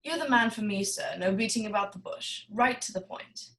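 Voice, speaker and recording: A woman's voice: mid-range voice, normal speed, fairly bright tone, lightly acted, rough recording. A woman acting a jovial, wordy, scheming male crime boss in a film noir radio play, florid and theatrically genial. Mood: jovial, expansive.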